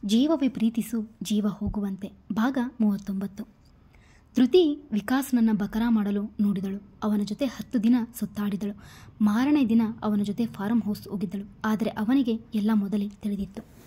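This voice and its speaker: A woman with a Kannada accent narrates a serialized story, voicing every part herself and reading the quoted lines louder than the narration. Her mid-range voice has a breathy edge, fairly even intonation and a moderate pace.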